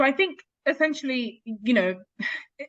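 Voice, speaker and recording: A woman speaks with a British accent. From England. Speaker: pharmacist. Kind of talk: interview conversation.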